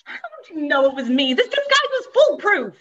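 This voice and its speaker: An actress playing a bossy jewel thief disguised as a salesperson, with salesperson patter, over a video call. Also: female voice, sits high, sing-song, brisk, a bit bright, highs cut off.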